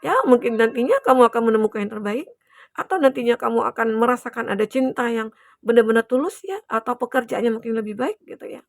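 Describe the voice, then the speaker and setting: A woman's voice: fairly high pitch, gravelly, dry recording, studio quality. A young adult woman giving a chatty, reassuring collective tarot reading to her viewers, with many fillers. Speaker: tarot reader.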